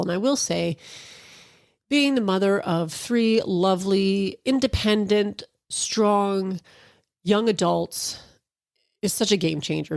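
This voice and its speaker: A woman's voice: mid-range voice, vocal fry, a little mellow, dry recording, clean studio sound. A woman in her forties hosting a casual solo podcast, a little stuffed up from allergies, chatty and rambling with fillers and restarts. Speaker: podcast host.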